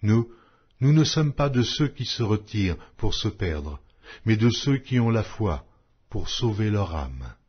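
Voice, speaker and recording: A man reading scripture aloud as a formal audiobook narration, in a solemn, measured, declamatory way. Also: fairly low pitch, very animated, breathy edge, dull audio.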